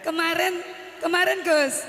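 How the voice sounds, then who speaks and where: A woman's voice: very high voice, fairly even intonation, a little slow, sharp tone. Woman giving brief polite replies. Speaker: audience member. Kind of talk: casual chat. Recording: roomy hall reverb.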